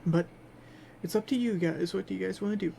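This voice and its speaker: Man, higher-pitched, creaky voice, hesitant game master narration, searching for words, faint noise behind. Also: brisk, mellow. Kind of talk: improvised tabletop game narration.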